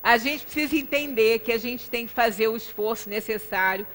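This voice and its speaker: A middle-aged woman with a Brazilian accent, a Spiritist center lecturer, gives an explanatory, conversational spiritual talk in a high, forceful voice, fairly quick yet taking her time. She's emphatic, stressing points and adding frequent rhetorical tag questions. The small indoor lecture room rings with long reverberation on a distant microphone.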